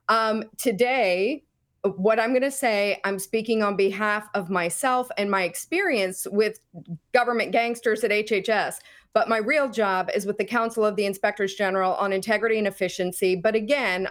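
A middle-aged woman speaking as an interview guest, explaining her own experience with deliberate, emphatic phrasing. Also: medium pitch. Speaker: podcast guest, whistleblower. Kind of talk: explanatory personal account in an interview.

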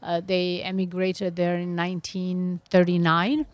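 A middle-aged woman from Romania with a Romanian accent, a guest telling her life story in an interview, earnest and halting with frequent restarts. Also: on the low side, monotone, dry recording. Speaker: guest, beauty entrepreneur.

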